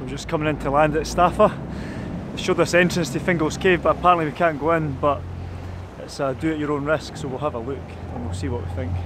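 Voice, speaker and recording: A man races along at a very fast pace, his intonation lively, while noticeable background noise carries on. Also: dry sound with no echo. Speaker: travel vlogger. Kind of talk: casual vlog chat. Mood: excited, impressed. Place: boat. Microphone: phone near.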